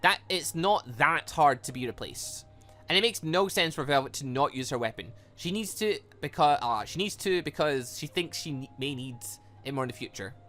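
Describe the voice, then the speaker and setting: Animated, bright-voiced man rambling over music. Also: a little high, moderate pace. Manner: rambling, animated, trailing off and correcting himself. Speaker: gaming video host playing a visual novel. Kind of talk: casual let's-play commentary, reading game dialogue aloud.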